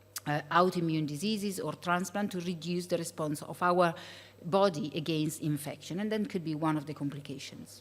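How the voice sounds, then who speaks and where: Speaking with an Italian accent, a woman uses fairly even intonation, a fairly low pitch and a moderate pace. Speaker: neurologist. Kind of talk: conference talk. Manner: halting.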